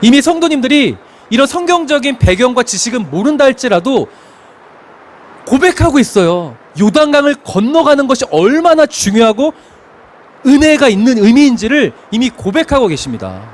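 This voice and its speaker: Lively high-voiced Korean pastor preaching. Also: male voice, moderate pace, slight background noise. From Chungcheong, Korea. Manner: expressive preaching, sings hymn lines, laughs while telling stories. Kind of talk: sermon.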